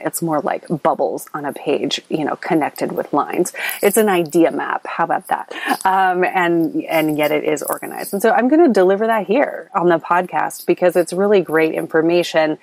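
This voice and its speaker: Low-voiced woman hosting a spiritual podcast. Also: gravelly, darkish tone, no echo. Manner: earnest, meandering, many ums and restarts. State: slightly scratchy voice. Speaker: podcast host. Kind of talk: spiritual coaching podcast monologue. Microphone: app recording, close mic.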